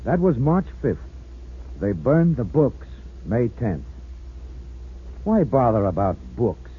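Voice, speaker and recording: A man's voice: medium pitch, sing-song, slow, breathy edge, narrow, tinny audio, exaggerated voice. An actor playing a grave, impassioned male narrator in a 1940s radio drama, solemn and declamatory, on an old recording. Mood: grim. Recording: old 1940s radio recording, band-limited, music behind.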